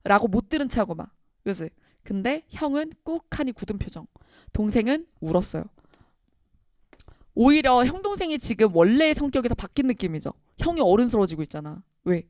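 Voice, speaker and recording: A woman lecturing on a literature passage for exam prep, animated, reading quoted lines aloud and talking straight to her students. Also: medium pitch, a little fast, dry recording, studio quality. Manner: animated, reads quoted lines aloud with acted emphasis, addresses students directly. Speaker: Korean language exam instructor.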